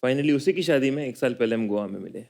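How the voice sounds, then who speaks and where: A man appearing as a talk show guest, telling how he proposed in a halting, plain way. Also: mid-range voice, animated, gravelly, a little mellow. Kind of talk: casual storytelling on a talk show.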